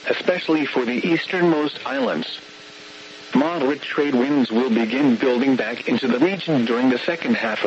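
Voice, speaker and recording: A dull, hissy radio broadcast carries a man's weather radio voice. He reads scripted forecast bulletins in a stilted, automated manner. His delivery is impersonal and sits at a middling pitch.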